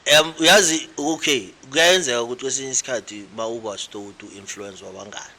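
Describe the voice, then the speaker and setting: A man's voice: medium pitch, a little fast, bright, forceful tone. A man hosting an interview, prompting his guest in a friendly way with short affirmations, mixing Zulu and English. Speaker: interview host.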